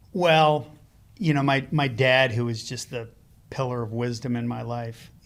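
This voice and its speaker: With fairly even intonation, a man talks at a medium pitch and a moderate pace. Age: 60s. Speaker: ski mountaineer. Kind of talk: casual chat. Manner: halting, repeats words.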